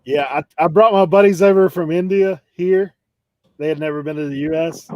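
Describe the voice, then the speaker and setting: A man's voice: on the high side, moderate pace, no room sound, highs cut off. A man chatting in a laid-back way and chuckling through his stories. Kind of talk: casual chat.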